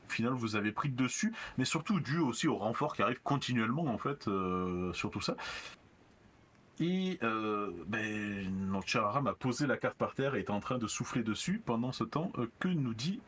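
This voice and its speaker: Man, game master, average pitch, improvised halting narration, slight background noise. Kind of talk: narrating a tabletop role-playing game.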